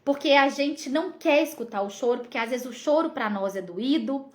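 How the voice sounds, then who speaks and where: High-voiced Brazilian woman explaining. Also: animated, normal speed. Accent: Brazilian Portuguese. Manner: explanatory, frequent tag questions to viewers. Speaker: psychologist. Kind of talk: live parenting lesson.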